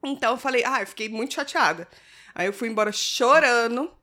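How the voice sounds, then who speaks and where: Podcast co-host, woman in her 30s, high bright voice, laughs through her story. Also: a little fast. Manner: giggly storytelling, breaks into laughter. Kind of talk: casual podcast chat.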